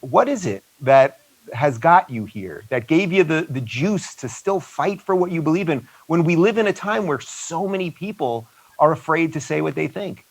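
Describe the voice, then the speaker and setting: A man's voice: a little high, expressive, moderate pace, poor audio. A man hosting an online conference interview over a video call, talking earnestly and often repeating his first words. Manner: earnest, repeats words when starting sentences. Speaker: interview host. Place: remote video session.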